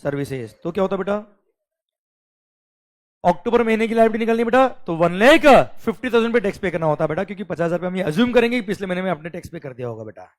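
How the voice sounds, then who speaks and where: An Indian man with a fairly high voice teaches an exam-prep lecture. He mixes English and Hindi, calls his students "beta" and keeps asking if they are clear. He reads the English questions out slowly. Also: expressive.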